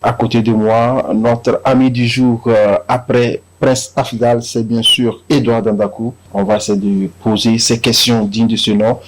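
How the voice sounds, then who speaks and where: A man with a Togolese French accent hosting a TV talk show, greeting viewers and his guest in a lively, formal presenter's manner. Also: mid-range voice, measured pace, hardly any pauses, low-quality recording.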